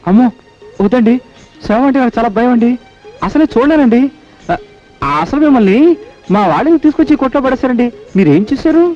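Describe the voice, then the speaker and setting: An actor playing a meek, kind-hearted village constable who talks in a deferential, pleading way. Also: male voice, extremely high pitch, lively intonation, brisk, pauses often. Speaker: police constable. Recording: dull old film soundtrack with music.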